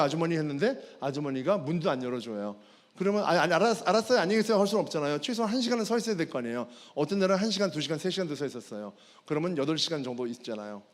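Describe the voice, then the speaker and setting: A fitness trainer giving a personal faith testimony at a school chapel service. He tells the story with animation and keeps calling out to the audience. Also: on the high side. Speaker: fitness trainer and guest speaker. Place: large worship hall. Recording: long hall reverb.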